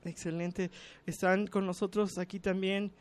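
Man, high voice, radio host, hesitant, lots of fillers. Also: level tone, a little slow. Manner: hesitant, many fillers and restarts. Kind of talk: casual radio talk.

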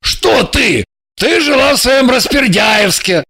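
A man's voice: extremely high pitch, lively intonation, slow, full character voice. A man voicing a blunt, impatient male spy handler in his thirties, reading an audiobook. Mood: exasperated. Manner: blunt, impatient, gravelly and shouting.

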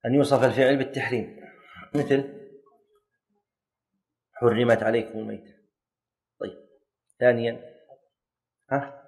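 A man's voice: medium pitch, steady tone, normal speed, long pauses, darkish tone. A man teaching a classroom lesson, quizzing and correcting students and joking lightly. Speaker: teacher of Islamic jurisprudence.

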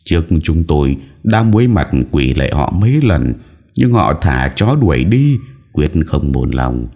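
A man's voice: rumbling low, very animated, unhurried, gravelly, dark tone, full character voice. A man voicing a poor, weary father who laments through sobs. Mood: lamenting. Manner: sobbing, lamenting.

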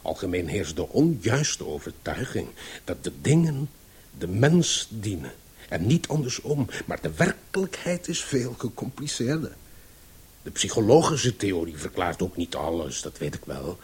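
A pedantic scientist in a Dutch radio play. His voice is low and badly husked, yet it swings widely in melody. He lectures didactically, with great emphasis. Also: very animated, a little slow, darkish tone, slightly rough, heavily acted. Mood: earnest lecturing. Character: pedantic male scientist expounding absurd theories.

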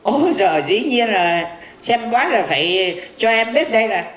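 A man's voice: sits high, lively intonation, moderate pace, a bit bright. A man playing a boastful, teasing blind fortune teller in a stage comedy skit. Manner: bragging, teasing, insulting banter. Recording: echoey live stage with audience.

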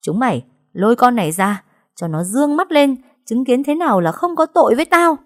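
A woman's voice: on the low side, sing-song, fairly quick, darkish tone, no echo, studio quality. A woman voicing a cruel, scheming female villain who sneers and hisses threats. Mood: raging.

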